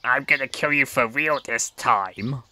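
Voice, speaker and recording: A man voicing a brash male talking bird hero in a hobby audio play, with blunt, quick-tempered retorts. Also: medium pitch, bright, forceful tone, a little hiss or hum.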